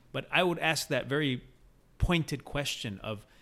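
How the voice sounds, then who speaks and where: A man with a normal speaking voice and ordinary pitch variation speaks at a moderate pace in a very clean recording with a silent background. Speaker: businessman.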